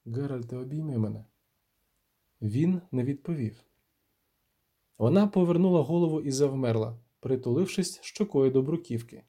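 A man narrating a fantasy audiobook in a measured, steady storytelling manner. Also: medium pitch.

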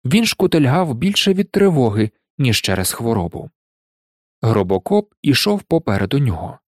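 A man reading a novel aloud as an audiobook narrator, in expressive storytelling narration. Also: mid-range voice, no room sound, studio quality. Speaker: audiobook reader.

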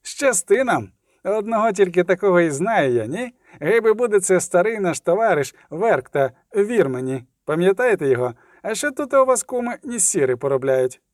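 A man reading an audiobook and voicing a brash, swaggering male outlaw who talks in rough, folksy slang and lies smoothly. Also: high voice, big pitch swings, moderate pace, no room sound, clean studio sound, voice pushed up. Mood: gleeful.

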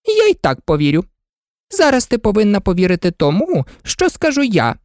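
A woman voices a fussy, scatterbrained elderly queen who insists on things in flustered exclamations, sometimes squeaking. Her pitch swoops wildly at normal speed, her tone slightly mellow, in a clean studio with no echo.

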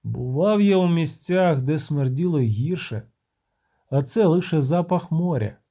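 A man's voice: a little high, lively intonation, a little slow, warm tone. A man reading an audiobook, voicing a terse male monster hunter who answers in curt, dry lines.

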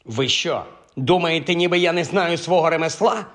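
A man's voice: on the high side, unhurried, close to an everyday voice. A man reading an audiobook, voicing a vain, sulky young male wizard who complains irritably. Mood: irritated. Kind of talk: audiobook character voice.

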